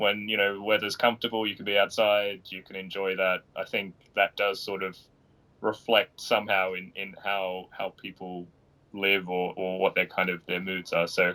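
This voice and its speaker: Speaking with an Australian accent, a man keeps a moderate pace at a fairly low pitch. His tone is bright and sharp, his intonation flat and monotone. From Australia, rural New South Wales. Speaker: board game designer and research scientist. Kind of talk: interview. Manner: hesitant, many fillers.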